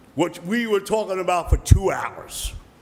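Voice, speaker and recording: Noticeable background noise sits behind a man talking at a fairly slow pace. He has a high pitch for a man. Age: 60s. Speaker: public commenter at council meeting. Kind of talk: public comment speech.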